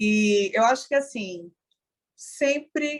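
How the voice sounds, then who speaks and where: A woman talks with ordinary pitch variation. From Brazil, Rio de Janeiro and Recife. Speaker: church member giving testimony. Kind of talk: testimony.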